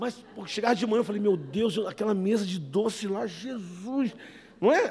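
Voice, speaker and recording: A man's voice sits high in pitch while noticeable background noise carries on behind it. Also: ordinary pitch variation, moderate pace. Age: 40s. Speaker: missionary preacher. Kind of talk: sermon. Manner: animated.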